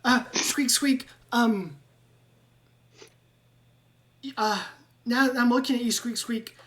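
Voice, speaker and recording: A game master voicing an anxious rat man who keeps squeaking between his words, in a tabletop game. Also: slow pace, fairly bright tone. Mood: worried. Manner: peppers every phrase with squeaks.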